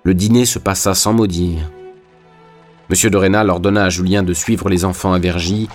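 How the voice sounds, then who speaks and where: Low-voiced man reading a novel. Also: fairly even intonation, moderate pace, soft background music. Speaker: audiobook reader. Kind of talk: scripted novel narration.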